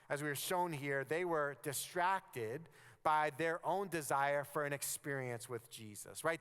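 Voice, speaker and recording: A man preaching a sermon as pastor, conversational and animated, sometimes dropping to a near-whisper for emphasis. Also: a little high, clean tone. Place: church sanctuary. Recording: long reverb of a church hall.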